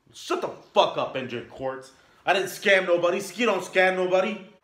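A man at a moderate pace, with a quiet background and audible room echo. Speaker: livestreamer. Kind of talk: casual livestream rant. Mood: agitated, ranting. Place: home room. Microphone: camera far.

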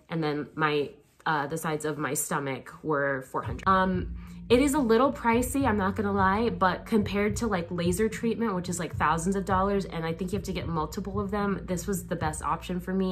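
At a fairly quick pace, a woman talks at a fairly low pitch with vocal fry, over light background noise. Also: lively intonation. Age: 20s. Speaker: YouTuber. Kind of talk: casual vlog talk. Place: home room. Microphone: phone near.

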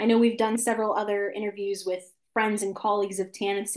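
Against a quiet background, a woman with a medium-pitched voice speaks at a very fast pace. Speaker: interviewer. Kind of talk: interview. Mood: warm and friendly. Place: home room. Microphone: video call.

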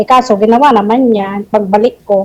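There is music in the background. A woman talks with fairly even intonation. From Sarangani, Mindanao, Philippines. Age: 40s. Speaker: overseas Filipino worker, dating show participant. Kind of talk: casual chat.

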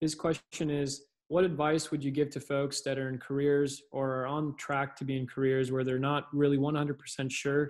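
The background stays quiet as a man talks at a fairly high pitch. His intonation is monotone and flat. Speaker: panel moderator and organization founder; panel moderator. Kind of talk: moderated panel discussion. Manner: halting, many fillers. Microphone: video call.

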